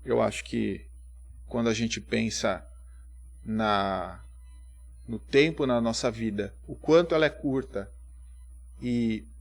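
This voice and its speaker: A preacher, his pitch sitting in an ordinary middle range. He talks to the congregation like a neighbour, asking question after question. He pushes up loud on key words, then sinks into near-murmured asides. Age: 30s. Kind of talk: church sermon.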